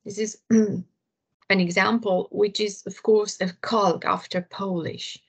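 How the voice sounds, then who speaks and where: A woman's voice: mid-range voice, steady tone, slow, slightly rough. A woman with a Romanian accent giving an online lecture to colleagues, hesitant, with many fillers and restarts, over a video call.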